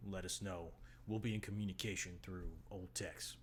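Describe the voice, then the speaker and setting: A gruff, put-on character voice speaks at a moderate pace over clear background noise. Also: man. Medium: actual play. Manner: gruff, blunt.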